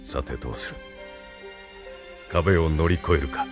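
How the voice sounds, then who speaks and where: In an anime radio drama, a male actor plays a stern, cold military colonel issuing orders in a measured, commanding tone. His pitch is extremely low, with faint music behind him.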